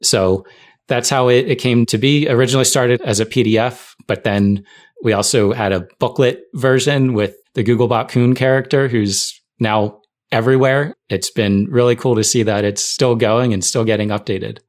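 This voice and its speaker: Speaking at a normal pace with a steady, medium-pitched voice, a middle-aged man reminisces about his work. He's a tech writer guesting on a podcast, and his manner is casual and conversational.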